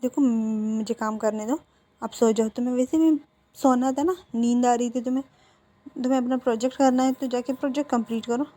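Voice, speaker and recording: A woman voicing a patient young man who coaxes and apologizes in a gentle, reassuring way. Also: a little high, fairly even intonation, fairly quick, close to an everyday voice. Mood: exasperated. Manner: coaxing, reassuring.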